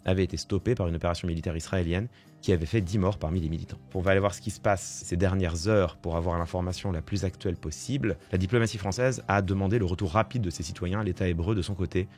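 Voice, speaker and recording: A man's voice: low voice, fairly even intonation, fast talker, a little mellow, faint music behind. A man commenting live on the news, reading reports aloud and then adding indignant remarks with many fillers. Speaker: political commentator.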